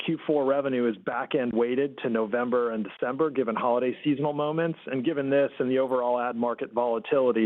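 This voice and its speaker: Male finance chief type, medium pitch, formal and careful delivery, narrow conference-line sound. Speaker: finance executive. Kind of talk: formal earnings call answer on financial guidance.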